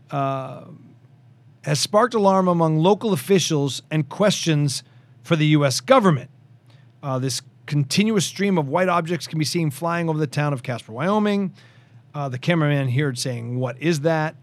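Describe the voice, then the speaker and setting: High-voiced ranting podcast host man. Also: no echo. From United States. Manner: animated, loud and ranting at times. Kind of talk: casual podcast chat with ranting.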